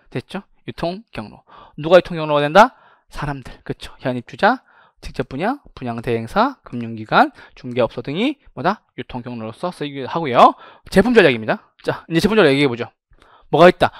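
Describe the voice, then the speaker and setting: A man lecturing for a real estate exam prep course, animated, who keeps asking the class rhetorical questions and answering them himself. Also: mid-range voice, dry recording, studio quality.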